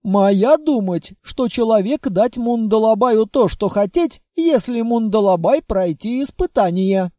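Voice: medium pitch, animated, unhurried, hardly any pauses, warm tone, no echo, studio quality, voice pushed up, lightly acted. An audiobook reader voicing a naive, proud tribal warrior who talks in broken grammar and refers to himself in the third person. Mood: stubborn.

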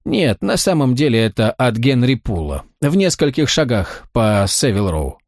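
A man's voice: mid-range voice, very animated, normal speed, darkish tone, dry recording, clean studio sound. A man voicing a charming, self-assured American male art expert in an audiobook, amused and easy in manner.

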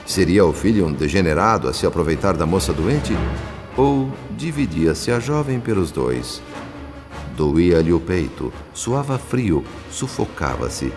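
A man with a Brazilian accent narrating a radio soap opera in a measured, solemn, dramatic way. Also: low-pitched, lively intonation, in a large hall, music in the background. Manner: measured, solemn, literary phrasing.

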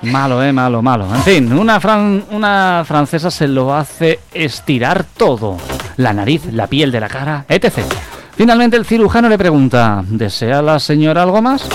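A man's voice: a little high, sing-song, normal speed, faint music behind. A man hosting a radio comedy show, reading odd news and telling jokes in a dry way. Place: radio studio.

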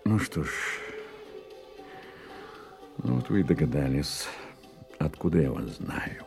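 A man's voice: extremely low pitch, big pitch swings, moderate pace, creaky, a little mellow, faint music behind, full character voice. An actor playing an unctuous, jovial businessman and gourmand in a Russian audio drama, pompous and florid as he savours his words. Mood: smooth, hearty.

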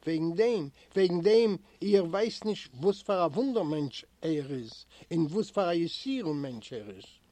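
A man reading a prison memoir aloud in a measured, earnest storytelling manner. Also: on the high side, lively intonation, darkish tone, no echo. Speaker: reader.

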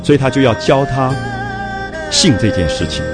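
A man's voice: medium pitch, sing-song, moderate pace, loud music behind the voice. An older man lecturing an audience on a classic novel, speaking in a reflective, conversational way with frequent "ah" fillers and repeated phrases. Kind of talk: public lecture to a live audience.

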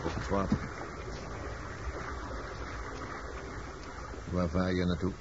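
A dull, clearly noisy old radio play recording features an actor as a weary sailor with a low voice. He is reluctant, curt and practical in his talk. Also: little pitch movement, fast talker, close to an everyday voice. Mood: practical, watchful. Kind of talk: Dutch radio play acting.

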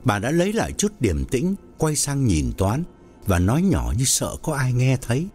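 A man narrating an audio story in a dramatic, expressive way. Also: mid-range voice, normal speed, soft background music.

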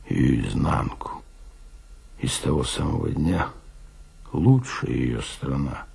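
Husky, embittered, despairing male drinker. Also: rumbling low, full character voice. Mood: bitter, subdued. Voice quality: husky, gravelly. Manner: slow, brooding, with emphatic swells and hushed drops. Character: embittered, despairing male drinker recounting his shattered childhood. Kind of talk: dramatic radio reading of a literary monologue.

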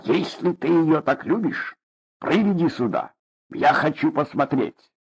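A man's voice: on the high side, lively intonation, unhurried, husky, pitched above the performer's own voice, heavily acted. A man doing a raging hot-tempered father. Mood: scornful. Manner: loud, blustering, sarcastic. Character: hot-tempered middle-aged Caucasus father. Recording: dull lo-fi audiobook recording.

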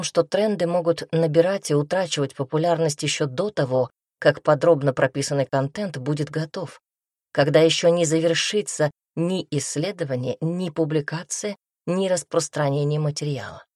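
Woman narrating a nonfiction audiobook, pretty low voice, dry close sound, steady even read. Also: no echo.

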